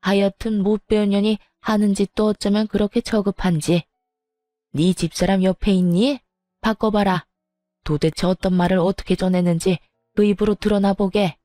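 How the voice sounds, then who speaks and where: A woman's voice: medium pitch, steady tone, normal speed, warm tone, no echo, soft background music, close to an everyday voice. Woman voicing a contemptuous old mother-in-law. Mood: defensive. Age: older. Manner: dismissive, condescending.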